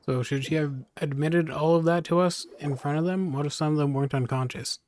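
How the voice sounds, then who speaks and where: A man's voice: on the high side, steady tone, a little fast, darkish tone, slight background noise, natural voice. Man as a casual, wry game adventurer. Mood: doubtful. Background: music.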